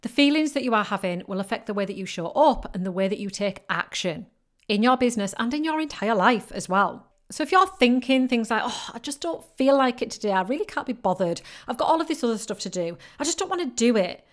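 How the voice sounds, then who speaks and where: A woman's voice: a little high, expressive, brisk. Emphatic northern English woman coach. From northern England. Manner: emphatic, repetitive encouraging delivery. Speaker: business coach. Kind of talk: motivational podcast monologue.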